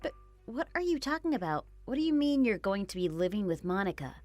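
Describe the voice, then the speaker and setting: A woman voicing a patient, hurt young wife who pleads with her mother-in-law in an animated story. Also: medium pitch, brisk, soft background music, lightly acted. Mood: pleading. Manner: earnest, pleading. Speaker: daughter-in-law.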